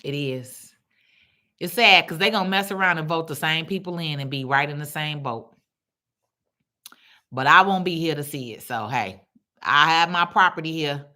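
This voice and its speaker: A woman's voice: low voice, moderate pace, long pauses. A woman from Chicago with a Chicago accent, hosting a casual livestream on her phone and chatting bluntly with viewers in slangy talk. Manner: blunt, slangy and animated, calls viewers baby. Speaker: livestream host. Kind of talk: casual live chat answering comments.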